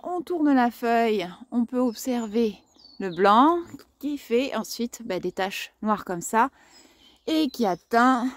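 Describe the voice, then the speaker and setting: A woman hosting a casual gardening video outdoors, chatty and playful, tripping over words and laughing at herself. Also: fairly high pitch. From France.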